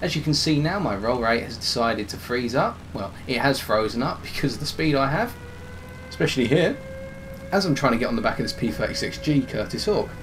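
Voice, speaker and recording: A man commentating over his own game footage, slightly hoarse as he is losing his voice, explaining tactics with frequent restarts. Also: medium pitch, expressive, a little fast, background noise. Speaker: gameplay commentator.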